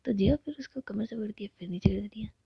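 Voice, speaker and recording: A woman narrating an intimate romantic story in a soft, close whisper. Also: mid-range voice, fast talker, gravelly, husky, dry recording. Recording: dull lo-fi recording.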